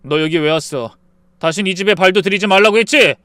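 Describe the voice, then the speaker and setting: A man playing a young husband who shouts at his sister and turns heavy and resigned. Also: high-pitched, expressive, brisk, dry recording. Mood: furious. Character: enraged then broken husband, young man, stern.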